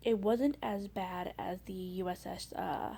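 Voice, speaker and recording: This is a woman speaking quietly. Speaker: vlogger. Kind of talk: casual vlog chat. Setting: home studio at night. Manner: quiet, hushed.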